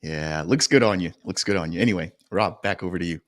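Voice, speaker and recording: A man's voice: low voice, quick pace, a bit bright. A man hosting a casual panel podcast, chatting in a friendly way and handing questions to his guests. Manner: friendly, apologetic, hands off questions. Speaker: podcast host.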